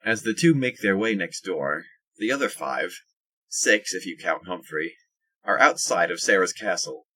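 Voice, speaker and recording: A man's voice: sits low, animated, measured pace, sharp tone, slightly rough, low-quality recording. A man narrating a scripted audio drama as its storyteller.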